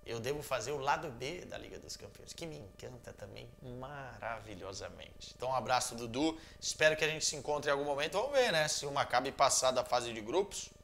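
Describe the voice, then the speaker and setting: Brazilian man in his thirties, relaxed and joking football chat, talks with his hands, medium-pitched voice, small home room with a faint hum behind him. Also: a little fast, creaky, hardly any pauses. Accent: Brazilian Portuguese. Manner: animated, joking, gestures a lot. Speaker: football commentator answering viewers. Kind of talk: casual chat.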